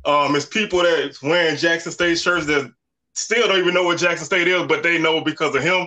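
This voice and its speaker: A man, a podcast guest talking sports in a relaxed, conversational way. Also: a little high, brisk. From Southern United States. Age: 40s. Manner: relaxed, conversational, lots of "you know" and "man". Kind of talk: casual sports talk.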